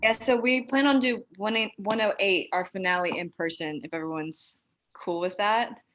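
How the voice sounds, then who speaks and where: A woman's voice: mid-range voice, moderate pace, a bit bright, slight background noise. A woman from a production team talking casually after a table read. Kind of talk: casual chat.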